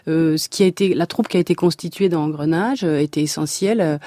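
A woman's voice: sits low, quick pace, mellow, no echo. A woman actress speaking as a guest in a radio studio interview, hesitant, with many fillers and restarts.

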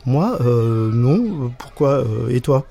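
A man's voice: medium pitch, big pitch swings, slow pace, vocal fry, mellow, soft background music, exaggerated voice. A man voicing a sulky little boy faking English. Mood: bossy. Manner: fake broken English, sulky and bossy. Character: stubborn little boy ashamed of his name.

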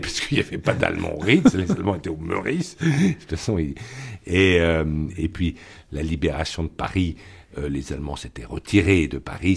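A man's voice: deep voice, gravelly, slightly rough. A male journalist speaking as a guest in a radio debate, hesitant and full of fillers.

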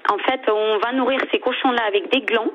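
A woman's voice: a little high, fairly even intonation, brisk. A woman from Andalusia, a native Spanish speaker with a foreign Spanish accent, chatting as a guest in a radio interview. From Cadiz province, Andalusia, Spain. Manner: foreign accent in French, frequent giggles. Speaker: shop manager, interview guest. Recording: dull lo-fi sound with faint noise.

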